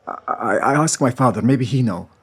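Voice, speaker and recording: Husky, anxious questioned sailor. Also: male voice, medium pitch, animated. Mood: anxious, pleading. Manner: hesitant, halting broken English.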